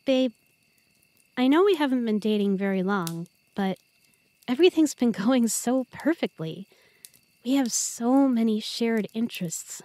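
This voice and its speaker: A woman's voice: on the high side, animated, measured pace, warm tone, dry recording. A woman playing an affectionate, earnest young girlfriend in an intimate, chatty roleplay audio drama. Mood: tender. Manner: tender, chatty, playful.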